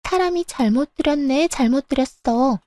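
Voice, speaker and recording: A woman's voice: high voice, moderate pace, darkish tone, no echo, voice pushed up, close to an everyday voice. A woman voicing a brazen, rude middle-aged mistress who scolds and looks down on people. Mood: condescending. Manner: condescending, scolding.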